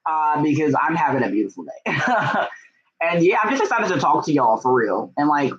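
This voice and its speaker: A young man hosts a casual livestream about books in a fairly high voice. He talks in a gushing, excitable way, with lots of slang. The sound is a bit dull and lo-fi. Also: moderate pace, a crowd in the background. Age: young adult. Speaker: book vlogger and writer hosting a livestream. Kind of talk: casual, chatty livestream talk.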